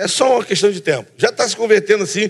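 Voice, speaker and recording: An animated, fairly quick man's voice in a Carioca accent. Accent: carioca Brazilian Portuguese. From Rio de Janeiro, Brazil (Bangu). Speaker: missionary and social project director. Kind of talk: church talk.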